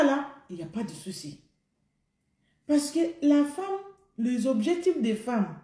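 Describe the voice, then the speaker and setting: A woman's voice: mid-range voice, warm tone. A woman giving a humorous advice monologue to the camera, emphatic and repeating her points as she speaks directly to the listener. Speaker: vlogger. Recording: roomy echo.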